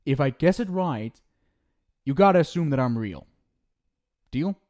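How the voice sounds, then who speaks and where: A man's voice: on the high side, expressive, a little slow, a little mellow. A young man in an ASMR roleplay, scolding the listener in a teasing but caring way. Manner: scolding yet affectionate, playful teasing.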